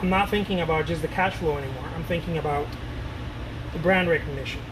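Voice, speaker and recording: A fairly high-pitched man in his late thirties, a painter, talks fast and loosely to his viewers on camera, doubling back on words and letting the occasional swear slip. Throughout, a steady AC hum can be clearly heard under his speech.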